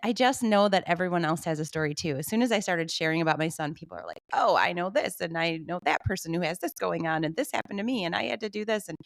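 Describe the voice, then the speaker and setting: A woman's voice: fairly low pitch, fast, vocal fry, few pauses, no room sound. Upbeat Midwestern woman hosting a podcast. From Michigan. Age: 40s. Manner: upbeat and gushing, with frequent laughs. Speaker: podcast host. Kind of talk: warm interview chat.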